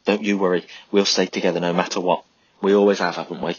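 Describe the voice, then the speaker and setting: A man voicing a loyal young soldier who speaks quietly and steadily. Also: sits low, level tone, quick pace, slightly rough, no room sound. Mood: reassuring. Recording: slightly dull lo-fi recording.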